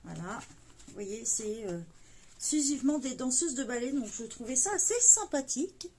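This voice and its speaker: A woman's voice: on the high side, lively intonation, moderate pace, mellow. A woman chatting casually as she unboxes a parcel of coloring books, full of fillers and delighted little exclamations. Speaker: coloring book haul vlogger.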